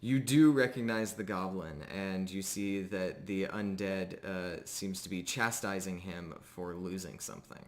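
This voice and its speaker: A man narrating a tabletop fantasy game as game master, improvising descriptions in a measured way with pauses. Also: sits low.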